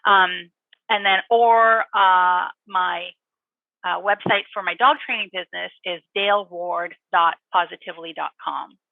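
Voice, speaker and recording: A woman dog trainer and author chatting as an interview guest, animated and quick to laugh. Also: on the low side, creaky, dry recording, narrow, tinny audio. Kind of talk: interview guest, casual chat.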